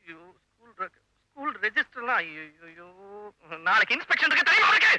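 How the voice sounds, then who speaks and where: A man's voice: very high-pitched, very animated, brisk, sharp tone, exaggerated voice, rough recording. An actor playing an irritable young man who keeps scolding a childlike woman in a 1980s film, grumbling in exasperation.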